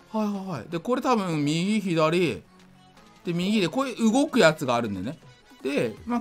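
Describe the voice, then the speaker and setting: A drunk man giving casual gameplay commentary, rambling, slightly slurred and excitable, often repeating himself. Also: high-pitched. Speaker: gaming video creator.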